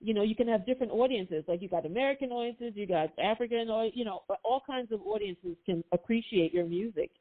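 A woman's voice: a little high, lively intonation, a little fast, few pauses. Chatty woman host on a phone line. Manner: chatty, enthusiastic. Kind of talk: casual interview chat.

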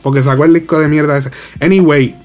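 A man's voice: on the high side, steady tone, fast talker, a little mellow, faint music behind. A man co-hosting a casual entertainment news chat, joking crudely and laughing often. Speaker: podcast co-host.

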